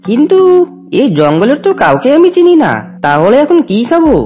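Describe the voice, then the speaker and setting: A woman voicing a stubborn, self-pitying cartoon fox with a husky, whiny, dramatic delivery. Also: a little high, big pitch swings, brisk, mellow. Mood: tired, pleading. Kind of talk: cartoon voice acting. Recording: dull lo-fi audio, music behind.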